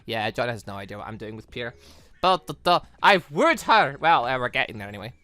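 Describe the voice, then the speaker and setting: A gaming host doing let's play commentary and reading game dialogue aloud, animated and rambling, with self-questioning asides. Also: mid-range voice, brisk, dry recording. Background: game music.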